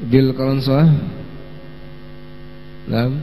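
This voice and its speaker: A man hosting a live-streamed children's story lesson, gently coaxing the kids to answer and sprinkling in Arabic phrases. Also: medium pitch, little pitch movement, extremely slow. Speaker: children's religious teacher and host. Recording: long hall reverb with faint mains hum.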